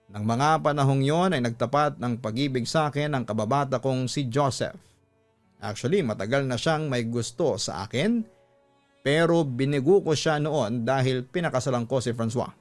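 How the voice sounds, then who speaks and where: A man with a Filipino accent narrating a first-person story dramatically, as a radio storyteller. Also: medium pitch.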